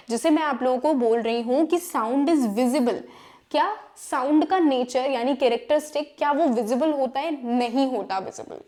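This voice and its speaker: A woman's voice: high-pitched, a little mellow. A young woman teaching an exam-prep lesson, explaining with rhetorical questions and English terms mixed in. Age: young adult.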